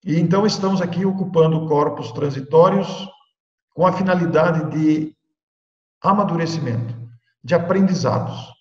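An older man with a Brazilian Portuguese accent gives a spiritist lecture over a webcam, speaking in measured, emphatic phrases with dramatic pauses. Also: on the high side, darkish tone. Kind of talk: devotional lecture. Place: indoor room at home. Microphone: laptop webcam, video call framing. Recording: echoey room, long reverb, dull lo-fi sound.

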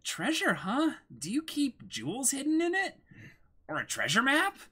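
A man's voice: extremely high pitch, wildly swooping pitch, moderate pace, pushed and bright, voice pushed up, heavily acted. A man voicing a brash, nosy young woman who steals treasure, pushy and inquisitive, in a manga reading. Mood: curious, teasing.

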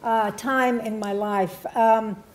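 Older woman, from England, fairly high voice, reflective, hesitant ums, panel talk in a hall. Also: steady tone. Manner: reflective, measured, with frequent ums and restarts. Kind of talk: personal recollection at a panel talk. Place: university hall with a seated audience.

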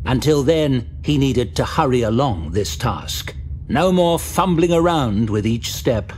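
A man's voice: medium pitch, expressive, unhurried, a little mellow. A man giving a dramatic scripted narration of a fantasy story. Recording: music behind the narration.

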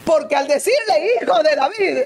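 A woman's voice: sits high, expressive, moderate pace, a little mellow. A woman evangelist preaching a sermon in a fervent, emotional way, her voice swelling toward tears.

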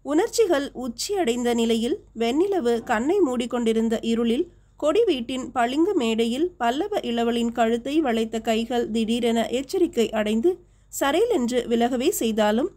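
A woman narrating a historical novel as an audiobook, with steady, measured storytelling. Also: a little high.

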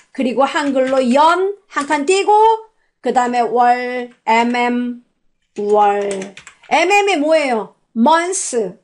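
A woman teaching a spreadsheet tutorial over her screen, chatty, putting questions to the class and answering them herself. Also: sits high. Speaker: computer instructor. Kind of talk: spoken software tutorial.

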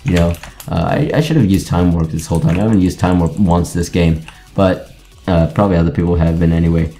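A man's voice: low-pitched, steady tone, fast, mellow, faint music behind. A young Greek-born man with an American accent, chatting casually and rambling over his own gameplay, full of fillers and restarts. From Greece. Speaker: gaming YouTuber.

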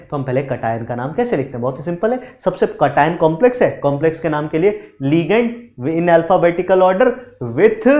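A man teaching a live chemistry class, animated and constantly quizzing his students. His voice sits a bit high for a man, and the room gives it a roomy echo. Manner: animated, quizzing students, mixes Hindi with English terms. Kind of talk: live online lecture. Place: studio classroom.

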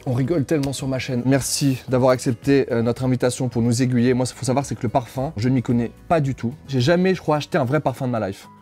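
A man's voice: mid-range voice, dark tone, soft background music. A man in his thirties hosting, chatting casually in a playful, teasing way, in a small room. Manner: playful teasing, quick banter. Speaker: host. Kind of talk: casual joking chat.

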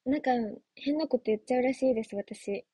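Breathy high-voiced giggly young woman. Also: fairly quick, dark tone, no room sound. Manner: giggly, playful and chatty. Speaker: idol trainee streaming live. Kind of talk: casual livestream chat reading comments.

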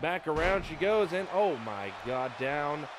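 A man giving excited play-by-play commentary over a wrestling video game, breaking into exclamations as the moves land. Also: fairly high pitch, unhurried. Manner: excited exclamations, rising with the action. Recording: noisy game audio behind.

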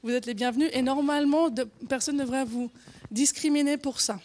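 Higher-voiced Swiss woman giving a talk. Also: fairly even intonation, brisk, a little mellow. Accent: Genevan Swiss French. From Switzerland. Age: 40s. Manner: hesitant, frequent fillers and restarts, laughs often. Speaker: conference speaker. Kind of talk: informal conference talk.

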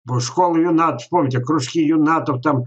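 A man in his sixties hosting a webinar, commenting casually during a phone call in a halting, rambling way. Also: fairly high pitch, husky. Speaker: webinar host. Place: indoors at a home computer. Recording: slightly dull, lo-fi computer audio.

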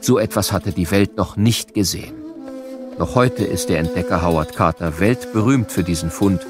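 A man narrating a scripted educational audio programme for children in a measured, explanatory way. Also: deep voice, music in the background.

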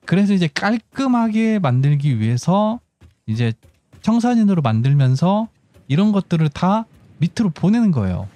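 A man's voice: high-pitched, very animated, moderate pace, mellow, dry recording. A man giving casual game tutorial commentary, explaining step by step and thinking aloud as he goes. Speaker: gaming channel host.

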